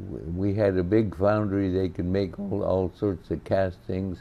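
A man with an American accent talks at a fairly slow pace in a very deep, low pitch with fairly even intonation. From Montana. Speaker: war veteran. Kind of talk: oral history interview. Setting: Corona, California. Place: home room. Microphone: lapel.

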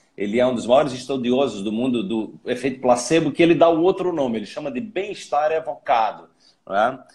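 Lively in intonation and fairly quick, a man has an ordinary speaking voice at a medium pitch. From Pernambuco, Brazil (sertão, then Recife); Pernambuco, Brazil. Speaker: coach and speaker on quantum healing; guest. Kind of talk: live-stream interview. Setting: live video stream. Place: home room. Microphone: earbuds.

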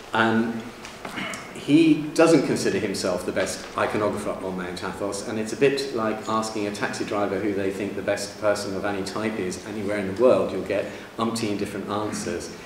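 Over noticeable background noise and audible room echo, a man talks at a fairly quick pace with ordinary pitch variation. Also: fairly low pitch for a man. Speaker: researcher introducing the speaker. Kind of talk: formal introduction speech. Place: hall. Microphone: camera far.

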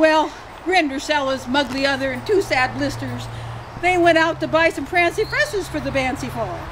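Noticeable background noise runs under the speech. The pace is moderate. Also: woman. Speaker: comic storyteller. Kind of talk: comedic parody storytelling in character, reading a fairy tale aloud with spoonerisms. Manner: animated, playful, mock-earnest storyteller mangling words with swapped syllables. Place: forest. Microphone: camera far.

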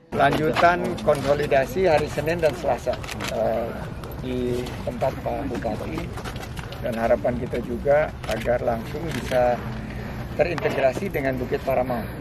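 With noticeable background noise but a dry sound with no echo, a man speaks at a moderate pace, leaving long, frequent pauses. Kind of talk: interview answer. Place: waterside. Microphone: handheld.

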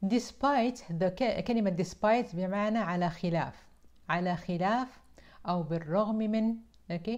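Her voice sits at a medium pitch with ordinary variation, and the background is quiet. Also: fairly slow pace. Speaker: English teacher and life coach; English teacher, life coach. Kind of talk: live online English lesson. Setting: live stream from home. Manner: animated. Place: home room.

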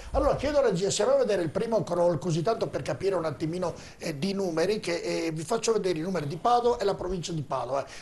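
The voice moves at a very fast pace with lively intonation. Light background noise can be heard. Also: man, high pitch for a man. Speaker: TV talk show host. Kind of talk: televised political debate. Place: studio. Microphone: lapel.

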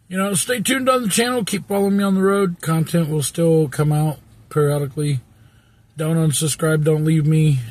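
A man talks at a moderate pace with ordinary pitch variation and very even loudness. The sound is dry, with no echo. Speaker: van life vlogger. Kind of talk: casual vlog chat. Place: car. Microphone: phone near.

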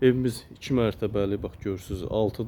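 Over noticeable background noise, a man with a fairly low voice speaks at a fairly slow pace with fairly even intonation. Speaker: real estate agent. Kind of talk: property tour video. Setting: walking tour of a house.

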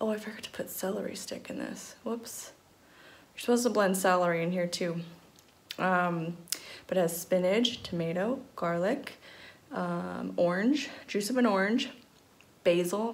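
The speech moves at a moderate pace with ordinary pitch variation and long, frequent pauses. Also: woman. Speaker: health vlogger. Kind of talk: casual vlog chat. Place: kitchen. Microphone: phone near.

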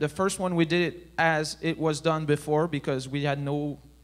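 A man speaks in a Quebec French accent at a fairly slow pace. His pitch is fairly high. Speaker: wiki photography organizer; conference presenter. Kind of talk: conference talk. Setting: stage with audience. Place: hall. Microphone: handheld.

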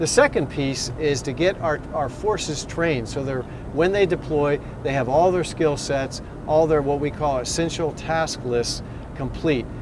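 Amid noticeable background noise, a man speaks at a moderate pace with ordinary pitch variation and a dry sound with no echo. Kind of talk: interview answer. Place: boat.

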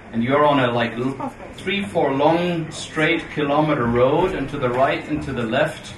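A man at a moderate pace with ordinary pitch variation, amid noticeable background noise. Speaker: investment fund manager. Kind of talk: panel discussion. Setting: stage with audience. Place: hall.

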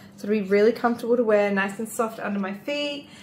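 Audible room echo and light background noise surround a woman's voice. Her intonation is fairly even. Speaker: shoe reviewer. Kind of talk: product unboxing commentary. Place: home room.

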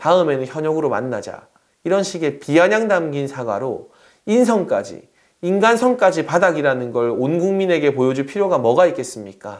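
At a moderate pace, a man's high voice makes very wide pitch swings against a quiet background. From South Korea. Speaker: political commentator. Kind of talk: political commentary monologue. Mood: critical, sarcastic. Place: studio. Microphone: studio mic.

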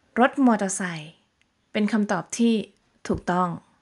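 With ordinary pitch variation, a woman talks over a quiet background. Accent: Isan. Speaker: driving test tutor, vlogger. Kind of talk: tutorial.

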